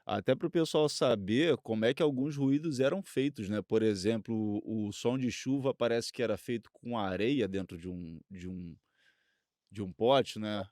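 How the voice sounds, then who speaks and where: A man's voice: lowish voice, moderate pace, a little mellow, dry recording. A man with a Brazilian accent chatting casually as a podcast co-host, tentatively and often checking for agreement. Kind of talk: casual chat.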